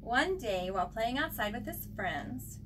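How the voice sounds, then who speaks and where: A woman reading a picture book aloud in an expressive, simple way for young children, as a preschool teacher would. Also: on the high side, measured pace. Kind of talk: children's storybook read-aloud. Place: at home. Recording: home recording with faint background noise.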